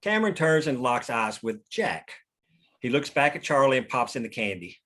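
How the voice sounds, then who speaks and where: A man's voice: mid-range voice, very animated, moderate pace, a bit bright. A man reading stage directions as scripted narration at a table read, in a plain, matter-of-fact manner.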